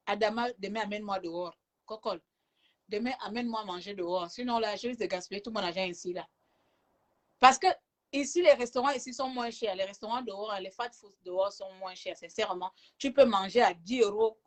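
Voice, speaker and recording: A woman vlogging in casual chat from a hotel room, talking in a chatty, teasing way and laughing often. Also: mid-range voice. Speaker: travel vlogger.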